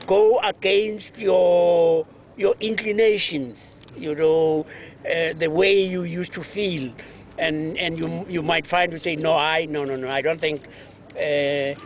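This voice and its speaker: Halting man on a dull recording. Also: on the high side. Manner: halting, full of fillers. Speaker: interviewee. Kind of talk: reflective interview.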